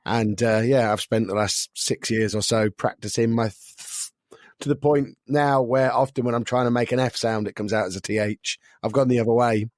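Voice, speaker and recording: A man hosts a podcast with a slightly croaky voice. His delivery is dry and self-deprecating, at a middling pitch, and the recording is close and dead with no room sound. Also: fairly even intonation, moderate pace, dry recording. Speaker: podcast host. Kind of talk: casual podcast chat.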